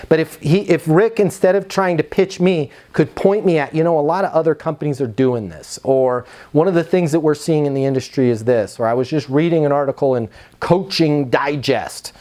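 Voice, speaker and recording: A man's voice: on the high side, darkish tone. An American man coaching on sales in a conversational, instructive way, slipping into acted-out example dialogue.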